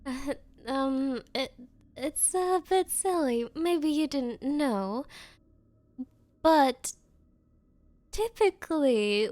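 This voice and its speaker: A woman's voice: on the high side, a little mellow. A woman playing an obsessive, clingy yandere on a date in an ASMR roleplay, stammering and pleading with nervous giggles.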